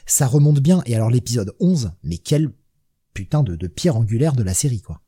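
Mellow, husky podcast host. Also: male voice, medium pitch, very animated, normal speed. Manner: laughs at his own jokes, swears freely. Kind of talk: casual chat.

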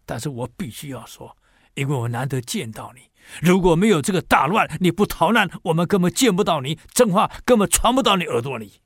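A man's voice: a little high, lively intonation, a little fast, husky, dry recording, clean studio sound, pitched above the performer's own voice. A man voicing an old commoner who boldly scolds the emperor, pleading and then bursting out in indignation. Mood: indignant. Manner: pleading, rising to indignant outbursts.

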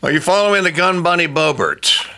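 A man's voice: on the high side, animated, fairly quick, pushed and bright. A middle-aged man hosting a talk radio show, delivering an emphatic opinion monologue that often stumbles into repeated restarts.

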